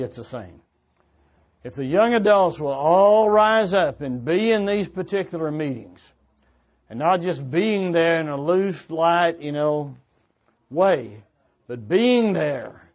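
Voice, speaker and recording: A man's voice: fairly high pitch, lo-fi sound. A man giving a sermon-like exhortation to a congregation, speaking earnestly and sometimes repeating or rephrasing his words as he goes. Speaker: church speaker. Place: church meeting before a congregation.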